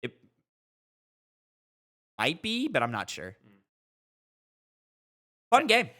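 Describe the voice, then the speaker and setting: A man's voice: a little high, huge pitch swings, extremely slow, sharp tone. A man chatting casually about games as a podcast co-host, informal and emphatic. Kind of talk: casual gaming chat.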